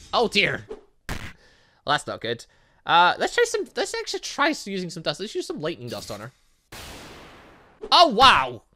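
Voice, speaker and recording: A man hosting a gaming video, giving excitable, exclamatory let's play commentary with muttered asides and game text read aloud. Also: sits high, slight background noise.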